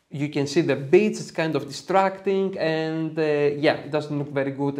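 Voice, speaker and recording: A fairly high-pitched, darkish voice belongs to a man in his thirties with a Greek accent. He teaches photo editing from his small home studio under red lights, chatty and cheerful, with self-mocking jokes and casual side comments.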